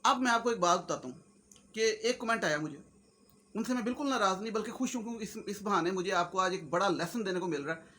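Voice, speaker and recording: A man with a very high, bright, forceful voice and a Punjabi accent talks casually to his viewers. He rambles in a joking way, slipping between Urdu, Punjabi and English. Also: quick pace. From Pakistan. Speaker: YouTuber host. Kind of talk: casual comic-motivational monologue.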